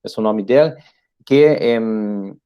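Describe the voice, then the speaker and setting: A middle-aged Argentine professor, a native Spanish speaker, lectures informally in a halting mix of Portuguese and Spanish, repeating words and adding tag questions. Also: male voice, lowish voice, clear, resonant tone, lo-fi sound. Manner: often ends phrases with a tag question. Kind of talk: informal online lecture and discussion.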